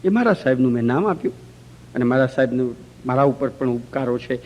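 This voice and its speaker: A man's voice: medium pitch, expressive, quick pace, lo-fi sound. A man giving a storytelling religious talk to a congregation at a community center, often checking in with the audience through rhetorical questions. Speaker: religious teacher.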